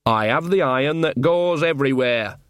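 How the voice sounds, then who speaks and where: A man's voice: mid-range voice, moderate pace, fairly bright tone, clean tone, dry recording, studio quality, lightly acted. A man voicing a shrewd, folksy old woman witch who talks bluntly and defiantly in a storybook reading. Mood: sharp defiance.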